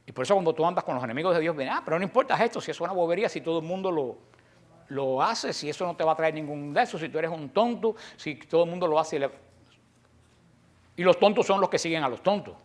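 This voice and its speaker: Fiery Cuban man preaching, fairly high voice. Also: lively intonation, fast. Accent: Cuban Spanish. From Cuba. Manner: fiery, combative, rhetorical questions. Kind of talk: sermon.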